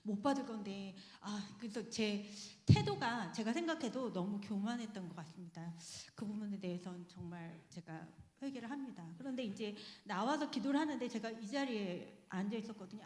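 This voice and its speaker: A woman speaks at a slightly high pitch as she gives a personal testimony before the congregation. She tells her story in a lively way and laughs between phrases. Her voice rings through an echoey church sanctuary with a long reverb tail. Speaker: church member giving testimony.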